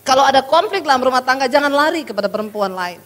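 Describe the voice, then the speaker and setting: A woman's voice: high-pitched, expressive, fast, big-room sound. A woman pastor preaching a sermon and telling her own testimony, speaking emphatically to the congregation. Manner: addresses the congregation as "saudara", emphatic and dramatic.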